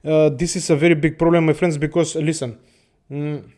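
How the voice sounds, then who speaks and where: A man with a noticeably high voice talks off the cuff to his audience. His delivery is rambling and profane, broken up by chuckles and a constant "my friends.". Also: little pitch movement, brisk, a little mellow. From Balkans. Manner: rambling, profane, laughs often, keeps saying "my friends". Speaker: host. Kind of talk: casual monologue to viewers.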